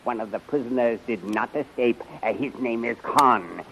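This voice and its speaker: An actor playing an obsequious, nervous palace official in a 1930s radio drama style. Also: male voice, mid-range voice, moderate pace, vocal fry, a bit bright. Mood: deferential. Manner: fawning, hesitant, pleading. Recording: muffled, hissy 1930s radio recording.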